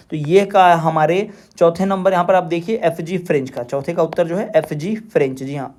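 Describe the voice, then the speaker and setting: High-voiced male tutor drilling exam answers. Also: darkish tone. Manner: reads English questions slowly, then explains in Hindi; repeats questions and answers to drill them. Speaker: teacher. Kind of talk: exam-prep lesson. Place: coaching class.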